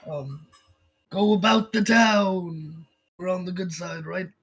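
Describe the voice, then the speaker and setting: Man, tabletop player, high voice, jokey and rambling. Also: takes it slowly, a bit bright, breathy edge, low-quality recording. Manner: joking, rambling with fillers. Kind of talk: tabletop role-play chat, partly in character.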